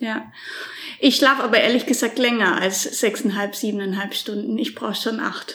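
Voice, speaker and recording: At a moderate pace, a woman with an unremarkable speaking voice talks at a fairly high pitch and fairly even intonation. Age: 20s. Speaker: podcast host, youth welfare worker. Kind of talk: casual chat.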